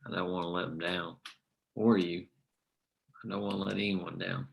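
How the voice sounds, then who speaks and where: Man playing a low, gravelly coal miner leader. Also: flat delivery, normal speed. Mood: worried, guilty. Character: troubled male leader of striking coal miners, devoted husband. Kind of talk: table read of a screenplay.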